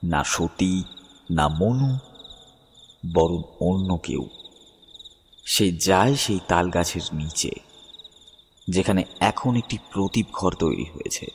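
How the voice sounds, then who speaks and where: A man narrating a scripted horror story in a solemn, measured, dramatic way with pauses. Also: sits low, lively intonation, a little hiss or hum. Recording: long reverb, music bed behind voice.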